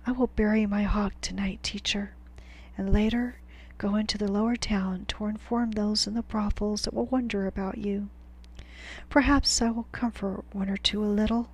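A woman voicing a terse, determined young male gunslinger, speaking quietly in clipped phrases. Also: mid-range voice, fairly even intonation, normal speed, slightly rough, poor audio.

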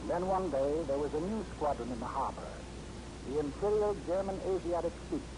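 Man, announcer, old radio show sound, formal measured delivery, fairly high voice. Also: expressive, noisy background. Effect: old radio show broadcast sound. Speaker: program announcer and narrator.

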